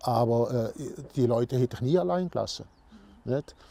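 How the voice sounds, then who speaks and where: Lively in intonation, a man with a medium pitch and a dark, mellow tone speaks at a moderate pace. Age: 70s. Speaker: retired farmer. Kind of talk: interview. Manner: halting, with hesitations.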